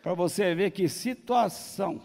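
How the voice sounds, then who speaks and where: A man's voice: high-pitched, measured pace, vocal fry, a little mellow, a faint crowd. A man preaching a sermon as pastor, in a folksy way, joking and acting out the people he quotes. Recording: long hall reverb.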